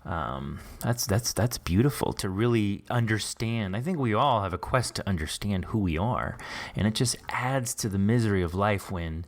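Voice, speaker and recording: A man's voice: lowish voice, lively intonation, normal speed. A man hosting a casual, conversational interview in an encouraging, affirming way. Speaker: podcast host interviewing an author.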